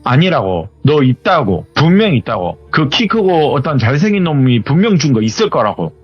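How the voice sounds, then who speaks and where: A man voicing a furious middle-aged shaman woman who yells crude, repetitive demands. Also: medium pitch, very animated, moderate pace, slightly rough. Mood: insistent. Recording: slightly dull audio with faint music.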